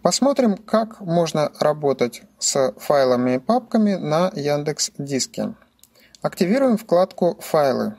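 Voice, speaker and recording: A man's voice: fairly high pitch, very animated, a little slow, a little mellow. A man giving scripted instructional narration as a tutorial presenter, explaining things methodically, step by step.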